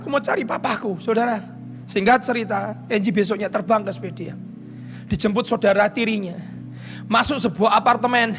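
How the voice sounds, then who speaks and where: An Indonesian man preaches in a very high, bright and ringing voice. He tells his story in a storytelling sermon style, falling to near whispers and then rising to shouts. Soft music plays under the sermon in a church. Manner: storytelling preacher who swings between hushed lines and shouted climaxes. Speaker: pastor. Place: church stage at a pastors' conference.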